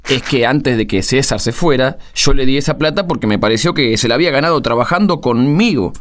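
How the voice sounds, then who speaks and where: A man's voice: medium pitch, expressive, fairly quick, a little hiss or hum, natural voice. An actor with an Argentine accent playing a humble, good-hearted workshop craftsman in radio theatre, colloquial and a little hesitant. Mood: sheepish, explaining.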